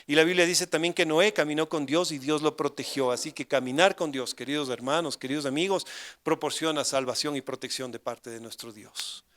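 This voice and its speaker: An older man preaches a sermon in a fairly high voice. He tells a story to the congregation, dropping to hushed asides and swelling to loud declarations. He often turns to the listeners with rhetorical questions. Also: steady tone, brisk. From Ecuador. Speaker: pastor.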